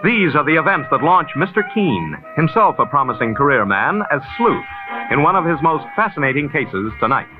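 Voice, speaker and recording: A man's voice: on the high side, very animated, narrow, tinny audio. Formal old-time radio announcer, a man. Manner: measured and formal. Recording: thin old radio broadcast with music.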